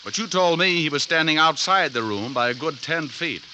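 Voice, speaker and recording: An actor playing a dry, sardonic private detective who also narrates, in a 1940s radio drama. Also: male voice, fairly high pitch, lively intonation, moderate pace, sharp tone, slight background noise. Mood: wry. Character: wisecracking tough male private eye. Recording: old radio broadcast with music underneath.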